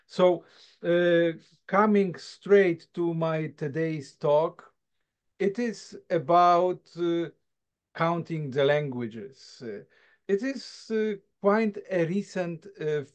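A man from southern Poland, giving an academic lecture over a video call. He talks in a halting, thoughtful way, with many filler sounds and tag questions. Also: on the high side. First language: Silesian. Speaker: guest lecturer. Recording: dull lo-fi video call audio.

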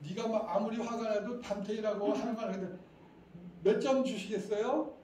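Middle-aged guy lecturing parents, quizzes the crowd, chuckles a lot, kinda mellow dark voice, echoey hall, mic far off. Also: high-pitched, moderate pace. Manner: chatty, quizzing the audience, chuckling. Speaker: lecturer at parent education session. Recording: echoey hall, distant mic, faint ambience.

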